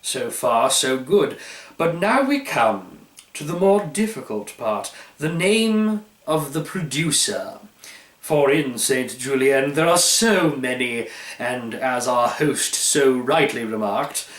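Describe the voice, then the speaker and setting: A man's voice: medium pitch, expressive, slow, fairly bright tone. A man reading a story aloud, voicing a pompous, fussy connoisseur who savors each phrase with smug deliberation. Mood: smug, musing. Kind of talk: dramatized short-story reading. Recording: roomy, echoey, distant microphone.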